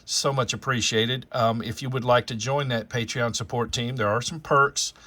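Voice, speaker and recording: A man's voice: mid-range voice, steady tone, normal speed, pushed and bright. A man hosting an amateur radio channel, talking casually and explaining things in a rambling, conversational way. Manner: rambling, conversational, spells out call signs and jargon. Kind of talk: casual explanatory vlog talk.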